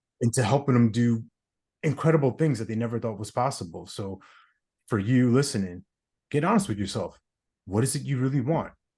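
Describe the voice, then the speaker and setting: With a quiet background, a man with an American accent speaks in a dark, mellow tone at medium pitch, somewhat breathy, with ordinary pitch variation and long, frequent pauses. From New York, Long Island. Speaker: leadership coach. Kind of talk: podcast interview.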